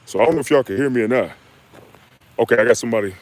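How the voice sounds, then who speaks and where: During a live stream Q&A, this young U.S. man, a fitness coach, reads chat comments and responds in a relaxed, slang-filled way. His voice sits in the mid range and races along as he addresses viewers directly, tossing in "man" and "y'all."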